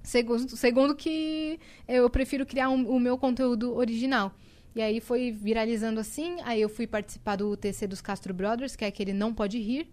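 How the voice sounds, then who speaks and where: A young woman guest on a podcast in a studio, telling lively stories and laughing often. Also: fairly high pitch, fairly quick. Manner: lively storyteller, laughs a lot. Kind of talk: casual podcast chat.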